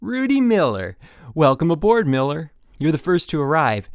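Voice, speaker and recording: Gung-ho young counselor dude, male reader putting it on, high and loud, way too friendly, storybook. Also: very animated, normal speed, clear, resonant tone, dry recording, clean studio sound. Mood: hearty, welcoming. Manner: loud, hearty, over-friendly.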